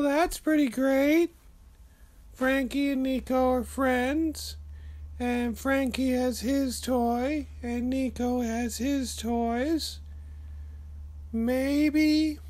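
A woman puts on a goofy sock puppet dog with a high, childlike voice. It tells a picture-book story very slowly and simply, in a friendly puppet-show manner. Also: darkish tone.

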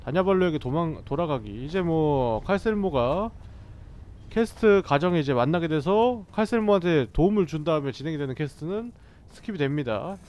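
Lively joking male game streamer. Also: on the high side, moderate pace. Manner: joking, bantering with game characters. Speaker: gaming streamer. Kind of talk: casual let's-play commentary.

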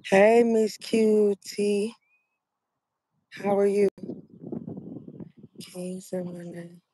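A woman's voice: medium pitch, fairly even intonation, very slow, dark tone, a little hiss or hum, rough recording. A woman in her thirties from Texas with a Texan accent, chatting with viewers on a phone while walking outside. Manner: chatty, talks to viewers, explains numerology. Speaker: vlogger. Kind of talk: casual livestream chat. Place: outdoors on a sunny street. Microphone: phone held at arm's length.

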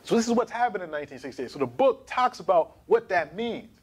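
A man in his thirties giving an emphatic, animated history lecture to camera in a small studio. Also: high-pitched, fast, slightly rough. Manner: animated, emphatic, gesturing while pacing.

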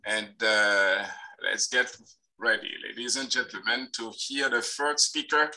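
Man hosting an online symposium, very bright sharp voice, emphatic repeated phrases, video call mic. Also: medium pitch, measured pace, low-quality recording. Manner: emphatic, repetitive lists. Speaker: symposium host. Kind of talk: formal welcome speech.

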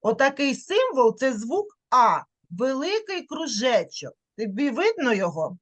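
A woman with a high, widely swinging voice teaches a young child to read over a video call, taking her time. She stretches out vowel sounds to show them and gently prompts the child with patient questions.

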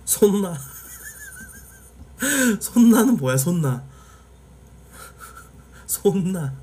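A Korean man from Jeolla hosts a casual live stream and talks bluntly to his chat, swearing freely along the way. His voice sits high and swings up and down a great deal. A faint hum of background noise runs under the recording. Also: big pitch swings, drawn-out words, a little mellow. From Jeolla, South Korea.

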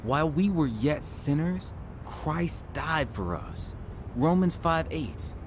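Slow, earnest Christian man. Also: fairly high pitch, animated, background noise. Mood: earnest, consoling. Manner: earnest, measured, exhorting. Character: compassionate Christian friend, earnest and patient. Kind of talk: radio drama acting, reciting scripture.

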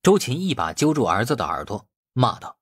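A man's voice: medium pitch, sing-song, a little fast, slightly rough. A man reading scripted novel narration as an audiobook narrator.

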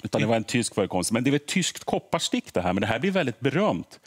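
This middle-aged history podcaster has a mid-range, sing-song voice with a breathy edge. Interviewed in a TV morning show studio, he explains earnestly and repeats words now and then as he thinks.

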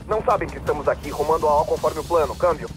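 An actor playing a military helicopter pilot speaking over a radio transmission in clipped radio protocol. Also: male voice, on the high side, rapid-fire, faint music behind. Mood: calm. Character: male military helicopter pilot, terse and professional. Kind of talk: dubbed video game dialogue.

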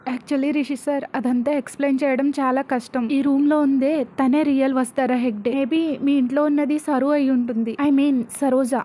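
A woman's voice: sits high, steady tone, normal speed, few pauses, mellow, lightly acted. A woman voicing a worried young woman who speaks in an urgent, pleading way.

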